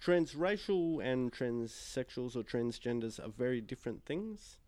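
A man's voice: medium pitch, lively intonation, measured pace, a little mellow, dry recording. A young man hosting a casual radio chat show, joking crudely and teasing his guests. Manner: joking, crude, banters and teases. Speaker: host.

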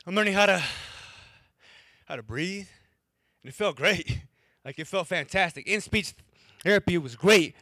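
A man's voice: sits high, expressive, moderate pace, long pauses, bright, forceful tone, no room sound, studio quality. Young man telling his story with a stutter. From Wisconsin. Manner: stutters, repeats words and breaks off syllables. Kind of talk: first-person storytelling to a live audience.

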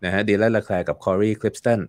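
Guy with a lowish voice walking through his take, lots of fillers and stumbles, dry close sound. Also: steady tone, slow, dry recording. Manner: explanatory, with frequent fillers and repeated words. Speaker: guest commentator. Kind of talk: casual interview talk.

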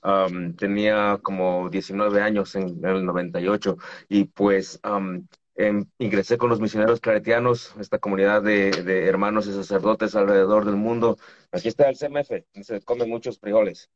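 Un sacerdote de unos cuarenta años, originario de Ecuador, invitado que conversa en una videollamada, bromista y con muchas pausas y muletillas. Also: male voice, lowish voice, steady tone, muffled recording. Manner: jokey, laughs often, hesitant with many fillers. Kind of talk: casual chat on a video call.

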